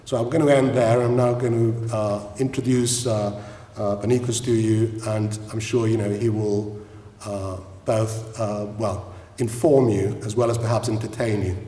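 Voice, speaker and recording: A man's voice: fairly low pitch, flat delivery, normal speed, dark tone. A man chairing a business forum, introducing speakers in a conversational tone, with frequent "you know" fillers. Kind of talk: formal address at a forum. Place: large hall at an event. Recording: echoey hall, speaker far from mic.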